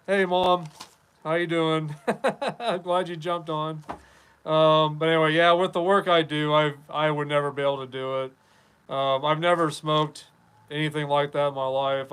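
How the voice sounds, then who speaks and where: Reading viewer comments on his casual live podcast, a man in his fifties from Wyoming rambles and chats. He speaks on the high side, in a clear, resonant and slightly bright tone.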